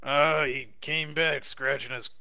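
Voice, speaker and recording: A man voicing a gruff old spaceship crewman, crude and grumbling, in a tabletop game. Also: mid-range voice, fairly even intonation, measured pace, sharp tone, voice pushed up, exaggerated voice. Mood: gruff, casual. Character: gruff old man answering a ship's call, casual. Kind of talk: tabletop role-play character voice.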